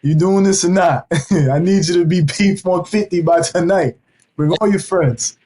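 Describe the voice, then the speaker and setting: A man's voice: high voice, normal speed, mellow, voice pushed up, lightly acted. A man putting on a pushy hyped big cousin. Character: pushy older male cousin recruiting.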